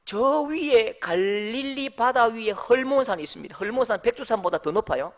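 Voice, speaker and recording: Animated pastor preaching. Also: male voice, extremely high pitch, moderate pace. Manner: animated, humorous, rhetorical questions. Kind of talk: sermon.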